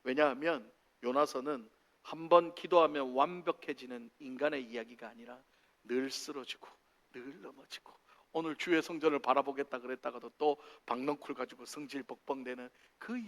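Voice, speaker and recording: A man preaching a sermon in a church, acting out voices with big swings in pitch and loudness. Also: moderate pace. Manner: animated, acts out dialogue with big pitch swings. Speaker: pastor. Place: church sanctuary. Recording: long hall reverb.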